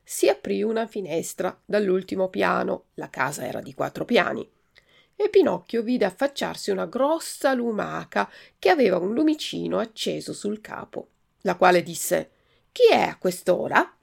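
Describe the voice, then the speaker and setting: A woman narrating a children's story aloud in an expressive, lively way. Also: medium pitch, normal speed, vocal fry. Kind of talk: storybook reading.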